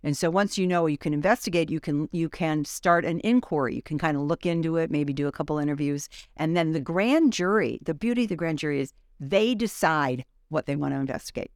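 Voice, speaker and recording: A woman's voice: low voice, brisk, hardly any pauses, darkish tone, no echo, studio quality. A woman guest explaining at length in casual chat, with asides and self-corrections. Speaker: guest, former grand juror.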